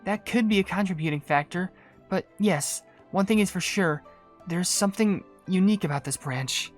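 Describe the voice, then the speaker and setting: Composed female perfumer for a fantasy game, woman actor: low, soft-spoken, polite, faint music behind. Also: moderate pace, close to an everyday voice. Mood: thoughtful. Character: gentle, composed adult female cookie perfumer. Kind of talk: video game voice acting.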